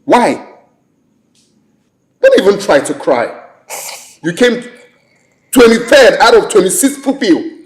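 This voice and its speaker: Actor as stern royal father, scolding, lively pitch. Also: unhurried, pauses often, full character voice. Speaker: king and father.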